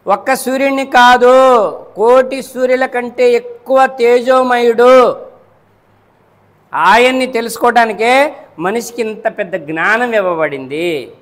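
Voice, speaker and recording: A man preaches a Friday sermon in a high, ringing voice. He keeps asking whether his listeners are following, repeats his lines and counts off his points one by one. His voice trails off into the long echo of a large hall. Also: a little slow, long pauses, a bit bright. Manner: rhetorical, keeps checking the listeners understand.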